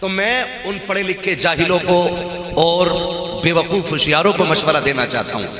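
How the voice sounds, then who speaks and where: Preaching over a PA in a big, echoing hall, this man teases his audience and leads them in call-and-response slogans. He speaks at a normal pace in a fairly high, bright, sharp voice, as a religious speaker addressing a live congregation.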